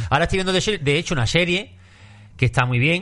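Lively intonation carries a bright, sharp tone. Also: man. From Jaén, Andalusia. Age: 40s. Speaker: comedian. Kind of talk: casual chat.

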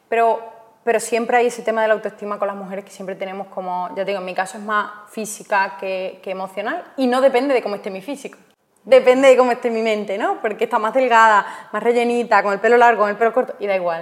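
Very fast and with big swings in loudness, a woman speaks in an Extremaduran accent at a fairly high pitch with fairly even intonation. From Spain, Extremadura (Almendralejo, Badajoz). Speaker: nutritionist. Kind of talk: casual interview chat. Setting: in a house.

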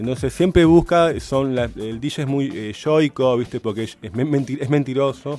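At a moderate pace, a man speaks with a Rioplatense accent. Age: 40s. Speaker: DJ. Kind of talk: radio interview. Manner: halting.

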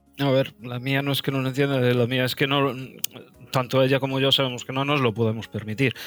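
A man talks at a fairly quick pace with a Galician accent. His medium pitch carries monotone, flat intonation. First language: Galician (speaking Spanish). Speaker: street photographer. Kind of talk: casual interview chat.

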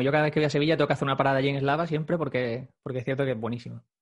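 A man speaks at a fairly high pitch with fairly even intonation. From Málaga, Spain. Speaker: podcast host. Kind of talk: interview conversation.

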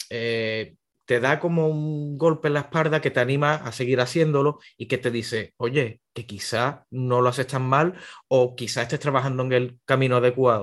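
An unremarkable speaking voice talks at a moderate pace with fairly even intonation. The background is quiet. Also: man, medium pitch for a man. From Cádiz, Andalusia, Spain. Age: 30s. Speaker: novelist and marine sergeant. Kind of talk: interview.

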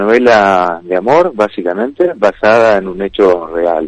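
This man talks at a fairly slow pace, his pitch varying in an ordinary way. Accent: Argentine. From Santa Fe province, Argentina. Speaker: writer and journalist. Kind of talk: radio interview.

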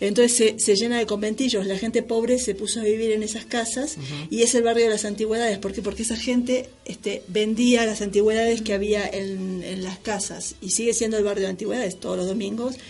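There is audible room echo around a woman's voice. Her intonation is fairly even. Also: fairly high pitch for a woman, fairly quick pace, hardly any pauses. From Argentina. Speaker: travel blogger. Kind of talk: casual interview.

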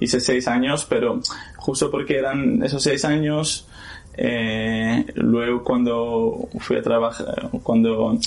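Noticeable background noise behind a man's fairly slow pace. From Netherlands. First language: Dutch (speaking Spanish). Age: 20s. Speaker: social media manager for a football club. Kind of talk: interview. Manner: halting.

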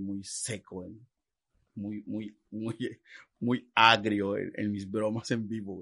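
A man speaks at a very slow pace in a fairly low pitch, his intonation monotone and flat. His tone is bright and sharp, and the background is quiet. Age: 30s. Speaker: crime reporter. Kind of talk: casual chat.

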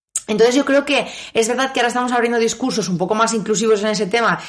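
Through noticeable background noise, a woman's voice comes at a very fast pace. Her pitch is fairly high. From Barcelona, Spain. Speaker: content creator and performer. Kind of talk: casual chat.

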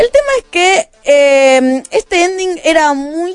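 A woman speaks in a Rioplatense accent with very wide pitch swings. The sound is dry and close, with no echo. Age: 40s. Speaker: gaming show panelist. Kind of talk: casual chat.

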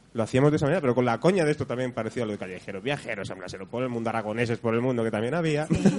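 With noticeable background noise behind him, a man rattles on at a very fast pace with hardly any pauses, his medium pitch showing ordinary variation. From Spain, Madrid. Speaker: podcast host. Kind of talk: casual interview.

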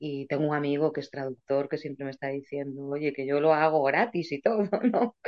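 Her pitch is very deep and low, and this woman varies it in an ordinary way. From Galicia, Spain. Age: 60s. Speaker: journalist and writer. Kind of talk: interview.

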